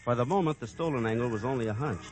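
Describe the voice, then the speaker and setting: A man's voice: medium pitch, racing, a little hiss or hum, natural voice. A man narrating and playing the cowboy hero of an old radio western, in an easygoing, plain-spoken way. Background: music.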